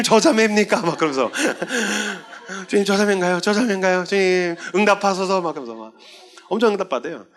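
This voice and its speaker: 생동감 넘치는 설교 목사, 남성. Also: male voice, high-pitched. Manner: animated storytelling, acting out voices of soldiers. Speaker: pastor. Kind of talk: sermon.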